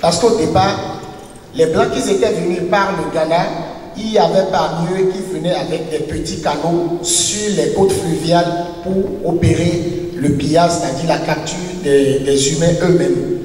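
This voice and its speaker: Halting lecturer echoing in a far hall. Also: male voice, on the high side, steady tone, a little mellow, a little hiss or hum. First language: a local language, not French. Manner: halting, searching for words with many restarts and fillers. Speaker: university professor and historian giving a lecture. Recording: echoey hall recorded from far off.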